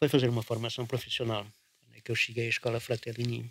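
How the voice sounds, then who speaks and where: A man speaks at a medium pitch. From northern Portugal. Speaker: circus artist and rigger. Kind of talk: podcast interview answer. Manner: casual, chatty.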